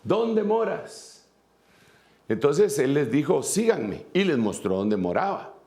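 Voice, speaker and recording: A man's voice: a little high, big pitch swings, takes it slowly, warm tone. A man from Guatemala with a Guatemalan Spanish accent, preaching an earnest sermon as an apostle, repeating phrases for emphasis.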